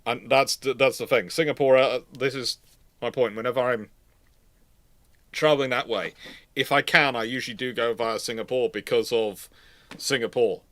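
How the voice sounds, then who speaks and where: A man's voice: medium pitch, fairly even intonation, normal speed, fairly bright tone, no room sound. Man, casual live-stream host, rambling and tangent-prone, dry close recording. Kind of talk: casual chat answering viewers' questions.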